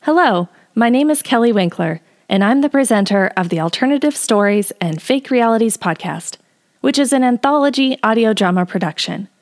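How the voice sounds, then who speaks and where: A woman's voice: fairly high pitch, expressive, normal speed. A woman presenting a podcast, reading a scripted introduction in a formal announcing manner.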